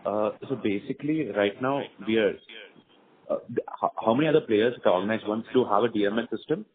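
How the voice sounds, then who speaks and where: Tinny noisy phone line, Indian man, analyst, rapid pace, insistent questioning. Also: on the low side. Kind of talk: earnings call questioning.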